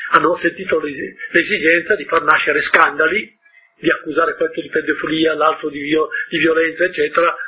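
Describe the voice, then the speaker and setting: A man preaching in sermon-like commentary on a book, with a very husky voice pitched somewhat high. He talks rhetorically and keeps asking his listeners "no?". The recording is dull and lo-fi. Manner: rhetorical, asks "no?" often.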